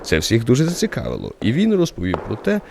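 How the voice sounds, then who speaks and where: A man narrating a literary radio drama as the wry author's voice, in an expressive, theatrical way. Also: mid-range voice, fast talker, gravelly, noisy background.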